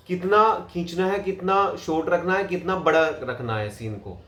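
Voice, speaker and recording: A man giving an acting lesson, talking deliberately and demonstrating a line with different pauses and stress. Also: on the high side, echoey room. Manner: slow, deliberate, repeats lines with varied pauses and stress. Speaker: acting teacher.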